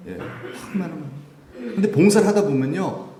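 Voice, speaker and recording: A man's voice: sits high, expressive, moderate pace, mellow. A man preaching a Sunday sermon as pastor, with many rhetorical questions to the congregation. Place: church sanctuary. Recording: roomy church echo, mic at a distance.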